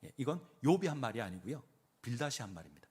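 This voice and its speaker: A man's voice: medium pitch, very animated, fast talker, darkish tone, slightly rough. A man, a pastor, preaching a sermon and acting out quoted speech with rising emphasis.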